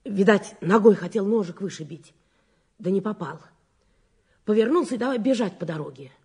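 A woman's voice: medium pitch, animated, normal speed, darkish tone, breathy edge. An actress playing a talkative, folksy older woman eyewitness in an audio drama, speaking in a rustic, colloquial way. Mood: eager, gossipy. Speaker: witness. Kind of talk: Russian audio drama acting.

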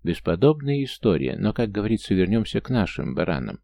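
A sly, clever sleuth who talks with light mockery in his voice, put on by the narrator. The voice is deep and gravelly with a mellow, dark tone, and the recording is dry and close. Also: sing-song, a little fast. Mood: wry. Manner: wry and teasing. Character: sly, mocking man, sharp-witted sleuth.

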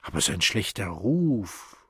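A man voicing an anxious, gossipy young woman who speaks in a hushed, horrified way. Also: lowish voice, big pitch swings, slow, breathy edge, no echo, studio quality, heavily acted.

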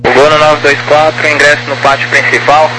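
Flat-toned male ground controller on noisy radio. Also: on the high side, fairly quick. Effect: radio transmission. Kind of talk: procedural radio instructions. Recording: noisy aviation radio channel.

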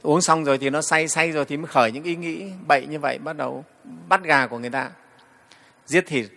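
Man, monk's sermon, storytelling, slightly high voice, hall reverb. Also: fast talker, creaky, bright, forceful tone. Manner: storytelling, frequent "đấy" fillers, addresses the assembly. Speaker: Buddhist monk teacher. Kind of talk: dharma talk.

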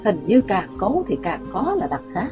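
A woman calmly reading a first-person story aloud as an audiobook narrator. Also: medium pitch, normal speed, highs cut off, over music.

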